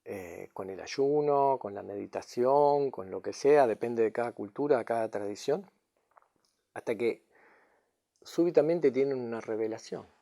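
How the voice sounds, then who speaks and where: Mellow-voiced man giving a reflective talk. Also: mid-range voice, measured pace, creaky. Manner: tags lines with questioning "mm?" and "no?" to check understanding. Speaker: spiritual teacher and therapist.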